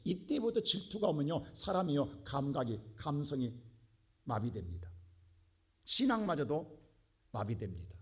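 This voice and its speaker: A man preaching a sermon as pastor, dramatically acting out the words of biblical figures and swinging between quiet low asides and loud, impassioned bursts. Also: breathy edge. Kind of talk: Korean church sermon. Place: church sanctuary.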